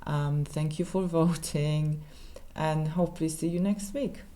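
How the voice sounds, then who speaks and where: Low, mellow Polish-accented woman. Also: fairly even intonation. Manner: halting, searching for words, many restarts. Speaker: tarot reader. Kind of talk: casual tarot reading monologue.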